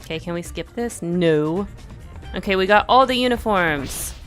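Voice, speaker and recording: A woman with a Southern US accent giving casual, playful commentary as she plays a video game, reacting out loud and laughing easily. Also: fairly low pitch, animated, normal speed. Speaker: let's play streamer. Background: faint game music.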